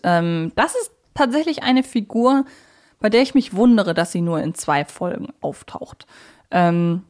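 A woman co-hosting a podcast, discussing fictional characters in a casual, thoughtful and opinionated way. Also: fairly low pitch. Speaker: podcast co-host. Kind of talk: casual fan discussion of audio drama characters.

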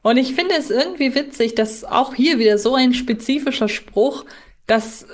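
A woman's voice: high voice, normal speed. A woman co-hosting a podcast, chatting analytically in a questioning, reflective way. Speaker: podcast co-host. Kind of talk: analytical casual podcast chat.

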